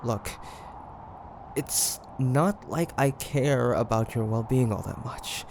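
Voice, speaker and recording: A man voices a grumpy demon hunter in a roleplay audio drama, flustered and defensive, halting over his words while secretly caring. He speaks at a medium pitch with vocal fry, against a noisy background.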